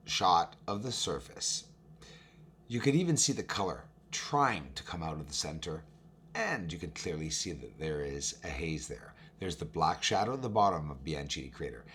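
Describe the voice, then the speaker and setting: Hoarse, raspy man narrating informally. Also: fairly low pitch. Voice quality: raspy, husky. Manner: emphatic, addresses viewers directly as guys. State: hoarse voice, recovering. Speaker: video host, amateur telescope observer. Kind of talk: informal narrated walkthrough of on-screen images.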